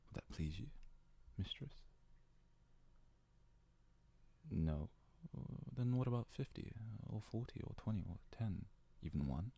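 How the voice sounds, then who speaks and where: A man performs a meek, obsessive kitsune servant boy in an ASMR roleplay. The voice is very deep and husky, with a heavy gravelly creak. He speaks hesitantly and pleadingly, with submissive devotion. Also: lively intonation, normal speed, mellow, exaggerated voice. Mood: fervent devotion. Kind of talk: ASMR roleplay, intimate scripted monologue.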